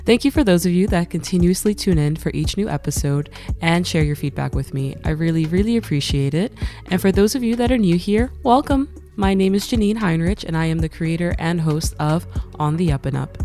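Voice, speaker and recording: A woman's voice: fairly low pitch, fairly quick, mellow, faint music behind. A woman hosting a podcast, reading a polished, upbeat introduction. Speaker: podcast host.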